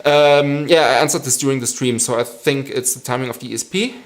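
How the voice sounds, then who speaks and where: A man's voice: medium pitch, a little fast. A man in his thirties from western Germany with a German accent, hosting a casual live stream Q&A, hesitant with many ums and frequent chuckles.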